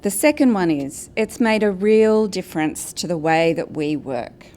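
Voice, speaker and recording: An Australian woman giving a prepared conference presentation as a guest speaker, in a measured, structured way. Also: fairly low pitch, expressive, darkish tone. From Australia, New South Wales and Brisbane. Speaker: guest speaker, advocacy and communications director. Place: event venue with an in-person audience.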